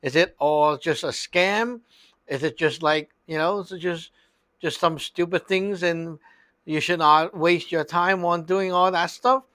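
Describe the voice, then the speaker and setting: Slow-talking man teaching in a dry room. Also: fairly high pitch, steady tone, fairly bright tone, smooth, no room sound. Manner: loose and chatty, peppered with "like" and "okay?". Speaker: Taoist teacher. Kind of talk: casual spoken lesson.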